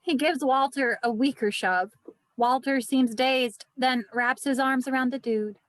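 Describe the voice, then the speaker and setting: A woman narrates scripted stage directions at a virtual table read. Her voice is on the high side, and the sound is dry with no room echo. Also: a little slow, a bit bright. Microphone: video call.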